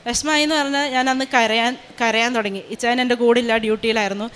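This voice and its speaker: A woman's voice: a little high, fast talker, fairly bright tone, slight background noise. A young woman, telling a personal testimony in an earnest storytelling way full of fillers. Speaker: testimony giver.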